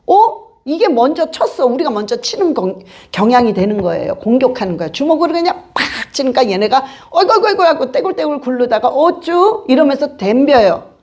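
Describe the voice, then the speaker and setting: A woman pastor preaching a sermon in an animated, colloquial way, acting out voices as she goes. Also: sits high, a little fast. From Korea. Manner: animated, colloquial, acts out voices of spirits and doubters.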